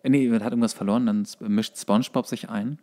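A man's voice: lowish voice, fairly even intonation, quick pace, warm tone. A man co-hosting a podcast, chatting casually as he retells cartoon episodes. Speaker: podcast co-host.

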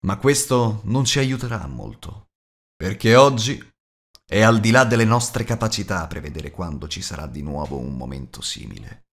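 A man's voice: lowish voice, very animated, normal speed, fairly bright tone. Casting: male reader as a solemn dwarf lord of old blood, declamatory, proud, fantasy audiobook. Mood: proud, emphatic.

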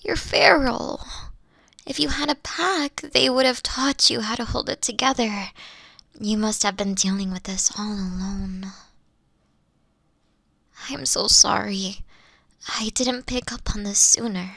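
Slow, soft witch girlfriend, acted by a woman. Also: mid-range voice, fairly even intonation, no room sound, studio quality. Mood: tender, soothing. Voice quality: soft, breathy, often dropping to whispers. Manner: tender, coaxing. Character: caring, teasing young witch girlfriend soothing her lover. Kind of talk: ASMR roleplay, soft and close. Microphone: close microphone.

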